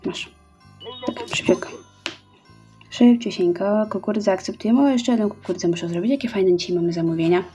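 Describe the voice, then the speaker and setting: A woman's voice: medium pitch, brisk, warm tone, faint music behind. A woman giving casual let's-play commentary, chatty, reading orders aloud and counting out her steps. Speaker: gaming YouTuber.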